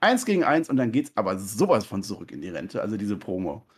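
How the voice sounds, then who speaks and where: Man, low voice, lively pitch, fast joking podcast chat. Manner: joking, quick and animated. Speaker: podcast co-host. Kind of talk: casual chat.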